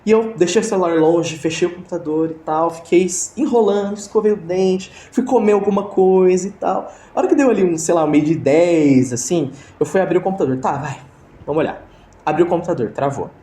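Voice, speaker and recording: A young Brazilian man, an interview guest, tells a story over a video call in a casual, hesitant way, full of restarts and fillers. His voice is high and dark-toned, and he speaks briskly with a Brazilian Portuguese accent. The audio is reverberant with a little hiss or hum.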